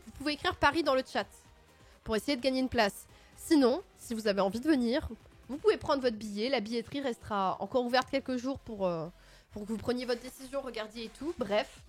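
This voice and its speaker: A woman hosting a livestream in casual chat, playful and expressive with sudden excited outbursts. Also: high voice, a little fast. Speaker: livestream host. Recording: faint music in the background.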